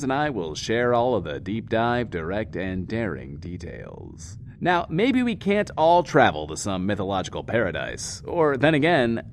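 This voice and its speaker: An actor playing a self-important, wordy, lonely radio host in a post-apocalyptic bunker, in an audio drama. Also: male voice, on the low side, slight background noise, heavily acted. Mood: showy, gossipy. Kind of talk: in-world radio show monologue, audio drama.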